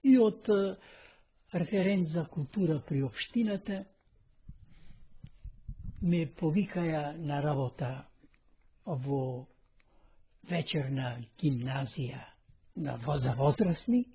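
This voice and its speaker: A man in his seventies from North Macedonia, a retired teacher slowly telling his life story in an interview, captured on a lo-fi dictaphone. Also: on the high side, a little hiss or hum. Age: 70s. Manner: slow, reflective storytelling. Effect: lo-fi dictaphone recording. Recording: dull lo-fi dictaphone recording.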